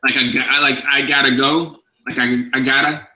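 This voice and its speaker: Male fighter from Georgia, bright edgy tone, easygoing and halting, roomy echo. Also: medium pitch, flat delivery. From Georgia, USA. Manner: laid-back, halting, filler-heavy. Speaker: fighter, interview guest. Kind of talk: casual interview chat. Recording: echoey room.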